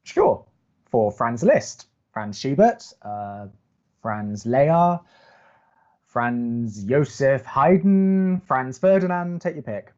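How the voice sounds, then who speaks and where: A man playing a reluctant college radio co-host in an audio romantic comedy, dry and exasperated, halting when flustered. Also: mid-range voice, very animated, a little mellow, dull audio. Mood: teasing, dry.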